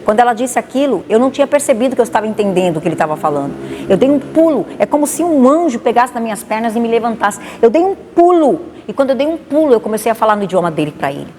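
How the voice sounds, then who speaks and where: A woman pastor with a Bahian accent, giving a lively spoken testimony and acting out the dialogue. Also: on the high side, racing, hardly any pauses. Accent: Bahian Portuguese. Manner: animated, acts out dialogue. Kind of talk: testimony storytelling. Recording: long reverb, faint noise.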